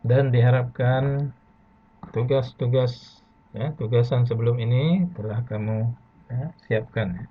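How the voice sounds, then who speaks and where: A Malaysian man teaching an online lesson to primary pupils, patient and slow, adding "ya" after nearly every phrase. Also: mid-range voice, steady tone, breathy edge. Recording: phone-like lo-fi audio.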